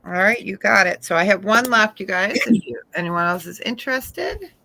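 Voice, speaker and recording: A woman's voice: medium pitch, expressive, moderate pace, creaky, pushed and bright, no echo, rough recording. A woman hosting a live online jewelry auction, chatting casually as she describes each item and laughing often. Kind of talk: casual live sales chat.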